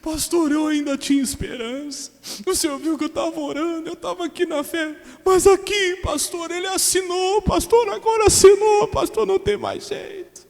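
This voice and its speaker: A distraught woman churchgoer, as a Brazilian preacher puts her on, wails and pleads in a pitched-up, sobbing voice. Her cries ring with the long reverb of a church hall. The voice swoops high above the preacher's own. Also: fairly even intonation, moderate pace, gravelly. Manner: wailing, breathless pleading.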